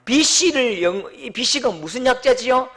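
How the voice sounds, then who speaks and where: Middle-aged pastor guy w/ gyeongsang accent, kinda high voice, cracks jokes then shouts out the good news. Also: expressive, moderate pace. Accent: Gyeongsang Korean. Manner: jokey asides, then loud proclaiming outbursts. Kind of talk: Christmas sermon.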